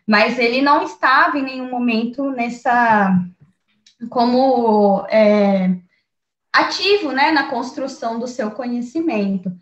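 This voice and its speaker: A woman's voice: on the high side, slow pace, reverberant, highs cut off. A Brazilian woman teacher talking through her teaching approach in an interview, thoughtful, with many fillers and restarts. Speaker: teacher and researcher, guest. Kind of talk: conversational interview.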